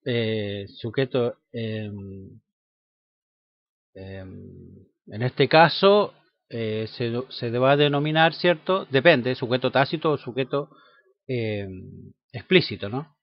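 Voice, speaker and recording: Guy giving a grammar lesson, real slow, lots of ums and "right?", dry dull-sounding mic. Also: medium pitch, no room sound. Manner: slow and halting, many fillers and tag questions. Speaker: language teacher.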